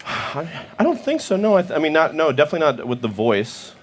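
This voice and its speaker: A man appearing as an actor guest on stage before a live audience, joking and talking in halting bursts with many restarts. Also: a little high, very animated, a little hiss or hum. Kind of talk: comedic panel banter.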